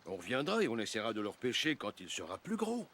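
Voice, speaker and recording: A man's voice: mid-range voice, huge pitch swings, quick pace, a bit bright, exaggerated voice. An actor playing a good-humored older grandfather in a French cartoon dub, easygoing and chuckling. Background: background music.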